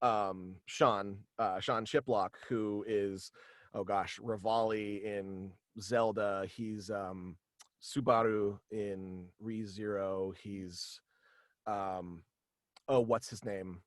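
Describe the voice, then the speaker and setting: A man's voice: lowish voice, steady tone, slow pace, dry recording, clean studio sound. A man chatting casually as an interview guest on a home video call, talking in a hesitant but enthusiastic way. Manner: hesitant, enthusiastic, chuckles often. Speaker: guest, writer of a superhero radio play.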